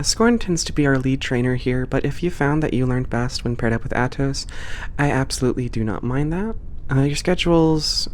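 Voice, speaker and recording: A performer with a mid-pitched voice playing a calm, supportive space port boss in a one-sided roleplay, reassuring and softly professional. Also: a little hiss or hum, lightly acted. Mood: accommodating. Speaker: ASMR roleplay voice actor.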